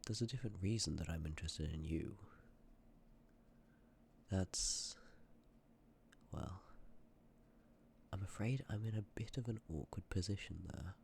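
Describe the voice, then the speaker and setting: Male actor as calm sympathetic Death, very low, gravelly fry, hushed and measured, politely formal, ASMR roleplay, some background noise. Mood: apologetic, explanatory. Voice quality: low, creaky, often dropping to a breathy whisper. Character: sympathetic, courteous personification of Death, calm and ancient. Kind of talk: ASMR roleplay, scripted acting addressed to listener.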